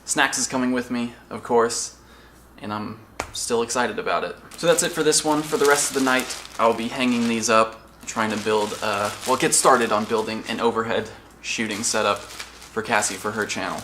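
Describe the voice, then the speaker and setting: At normal speed and with a mid-range voice, a man talks casually to the camera on his own vlog, rambling and making self-aware asides. He is in stores and a car, and there's plenty of background noise and ambience.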